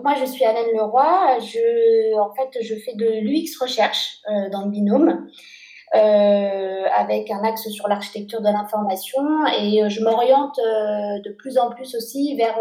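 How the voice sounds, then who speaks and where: A woman, a guest UX researcher, talking casually in an interview, measured and with frequent fillers. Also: a little high, warm tone. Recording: echoey room.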